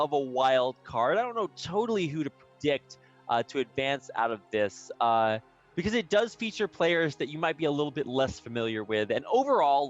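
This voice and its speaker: In a mid-range voice captured with lo-fi sound, an esports caster delivers live, chatty game commentary full of energy and loose fillers. English is his first language, and Spanish is his second.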